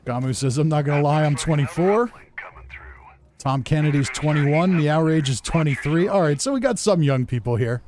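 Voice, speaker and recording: A man's voice: fairly high pitch, moderate pace, a little mellow. A man of forty chatting casually and good-humouredly as a game streamer, reading out viewer comments as he plays. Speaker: game livestreamer. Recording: game noise and gunfire behind voice. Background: video game sounds, gunfire.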